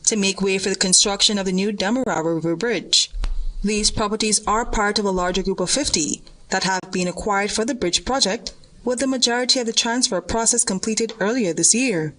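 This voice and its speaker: A female news reporter from Guyana, reading a voice-over report in a measured, formal way. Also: medium pitch, a bit bright, low-quality recording.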